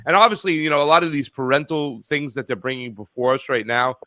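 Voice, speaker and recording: A man hosting a call-in talk show, chatting casually, rambling and profane, getting loud and animated when he rants. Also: medium pitch, fast, dry recording. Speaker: radio show host.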